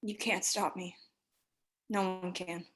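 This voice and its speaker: A woman's voice: on the low side, level tone, slow pace, fairly bright tone. A woman acting a desperate, frightened but defiant young woman at a screenplay table read, with earnest emotion. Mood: quiet defiance.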